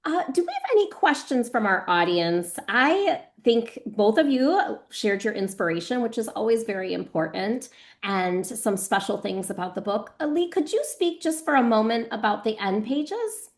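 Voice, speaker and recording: A woman hosts and moderates a book event with encouraging words for her guests. Her pitch moves around a lot, which gives her voice a lively rise and fall. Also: normal speed. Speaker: host and moderator.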